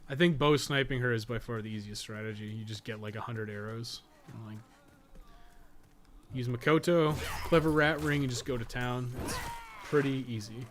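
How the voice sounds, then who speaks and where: A man talks through a video game live in a casual, unscripted way, swearing often and thinking aloud. His voice sits at an average pitch, with clear noise behind it. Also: normal speed, fairly bright tone. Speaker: game streamer and guide writer. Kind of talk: casual live gameplay commentary.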